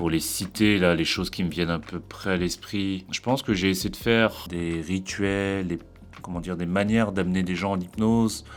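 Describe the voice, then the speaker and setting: The pace is moderate. A man's voice sits very deep and low. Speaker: street hypnotist. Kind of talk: reflective monologue. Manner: hesitant.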